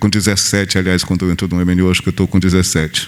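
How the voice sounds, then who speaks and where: Noticeable background noise accompanies a man with a very deep, low pitch. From northeastern Brazil. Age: 60s. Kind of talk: panel talk.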